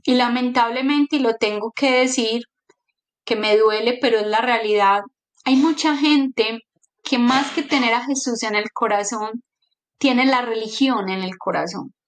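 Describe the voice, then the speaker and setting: A middle-aged woman shares a personal faith testimony. She talks with earnest emotion and acts out the people in her story. Her voice sits a little high. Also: measured pace. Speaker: guest giving a testimony.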